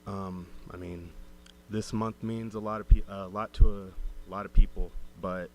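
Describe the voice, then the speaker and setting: Casual low-voiced man addressing the room. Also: level tone, measured pace, a little hiss or hum. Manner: casual, rambling with fillers. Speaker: local resident speaker. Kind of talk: casual public remarks.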